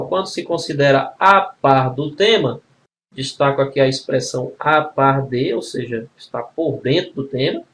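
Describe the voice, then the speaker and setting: A man with a fairly high voice teaches a grammar exam-prep lesson, walking through spelling rules step by step. He checks in often with tag questions.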